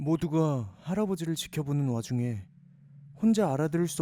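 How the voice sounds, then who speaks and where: The man has a dark, mellow tone. His intonation is lively and his pace moderate. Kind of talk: horror story narration.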